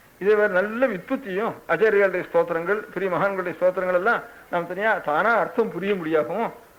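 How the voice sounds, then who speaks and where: Noticeable background noise runs under a man's high-pitched voice, his intonation fairly even. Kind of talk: religious discourse on teaching Vedic rituals and devotional texts. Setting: old archival recording of a talk.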